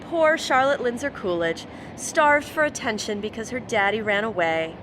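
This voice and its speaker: A woman's voice: a little high, lively intonation, normal speed, noisy background, lightly acted. An actress playing a belligerent woman politician in an audio drama, sarcastic, confrontational and vengeful as she rants. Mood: bitter, vengeful.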